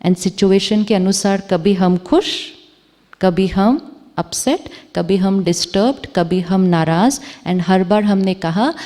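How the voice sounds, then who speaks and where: A woman spiritual teacher giving a measured talk to a live audience, repeating rhetorical questions to the room. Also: medium pitch, mellow. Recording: long hall reverb.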